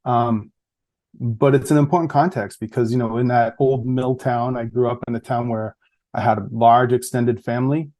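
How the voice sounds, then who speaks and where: Man, middle-aged, central Massachusetts accent, mellow dark tone, reflective, easygoing, casual interview guest. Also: mid-range voice, steady tone, normal speed. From Massachusetts, USA. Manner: reflective, easygoing, with frequent fillers and soft laughs. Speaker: podcast guest, public health researcher.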